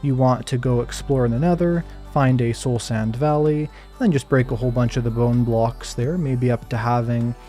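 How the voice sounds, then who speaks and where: A man giving calm, soft-spoken live gameplay commentary while answering chat questions, with plenty of hedges and fillers. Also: medium pitch, normal speed, hardly any pauses, soft background music. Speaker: Minecraft streamer.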